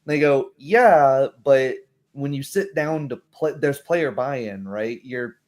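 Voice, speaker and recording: A man's voice: mid-range voice, slow pace. Man explaining tabletop game rules casually. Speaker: game master.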